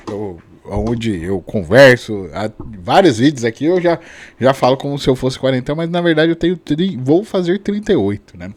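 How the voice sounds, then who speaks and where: A man in his late thirties hosting a casual vlog, rambling with many restarts and tag questions and chuckling often, with sudden lively jumps in his voice. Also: medium pitch, normal speed. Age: 30s. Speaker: channel host. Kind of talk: casual talking-head vlog.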